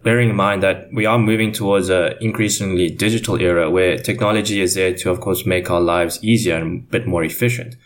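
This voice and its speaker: A man's voice: low-pitched, fairly even intonation, brisk, few pauses. A man giving formal, wordy explanations as a panelist in a semi-scripted legal discussion.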